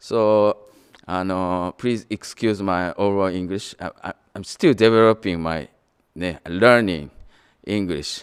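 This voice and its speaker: A man with a Japanese accent, very deep and low in pitch, at a very slow pace with ordinary pitch variation and big swings in loudness. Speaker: Buddhist minister. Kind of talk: dharma talk. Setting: temple with in-person audience. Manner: halting, with fillers.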